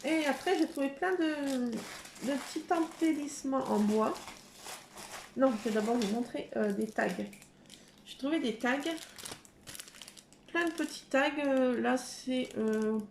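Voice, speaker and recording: Speaking slowly with long pauses, a middle-aged woman presents her craft haul in a relaxed show-and-tell at home. Her voice sits high and is a little mellow; she's hesitant, uses many fillers, and there's slight background noise.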